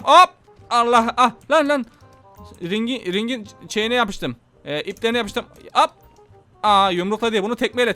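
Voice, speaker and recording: A man's voice: sits high, sharp tone, no room sound. A young man giving rowdy, joking commentary on his own gameplay and talking straight to his viewers. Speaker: gameplay video host. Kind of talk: excited gaming commentary.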